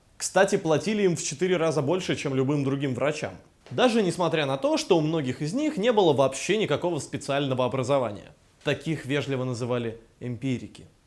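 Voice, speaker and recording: This man talks at a fairly quick pace with a fairly high pitch and lively intonation. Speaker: history video host. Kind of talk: scripted narration.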